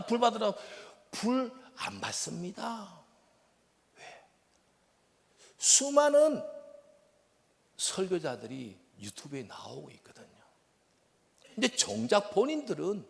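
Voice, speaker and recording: A man with a Gyeongsang accent preaching a sermon as a missionary, shifting from loud bursts to hushed whispers. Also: high-pitched, creaky. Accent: Gyeongsang Korean. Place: church sanctuary. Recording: long reverb of a church hall.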